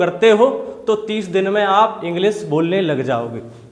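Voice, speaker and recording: A man talks in a high voice while noticeable background noise fills the clip. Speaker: English teacher. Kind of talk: classroom lecture. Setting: classroom.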